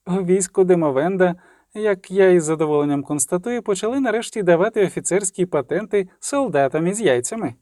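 A man's voice: high voice, lively intonation, brisk, warm tone, dry recording, studio quality, voice pushed up. A man reading an audiobook, voicing a playful, mocking young sorceress with a bold, teasing manner.

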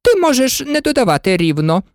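A woman's voice: big pitch swings, brisk, dry recording, clean studio sound. A woman voicing a fussy, scatterbrained elderly queen who talks in flustered exclamations. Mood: insistent. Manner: flustered, exclaiming, squeaky at times.

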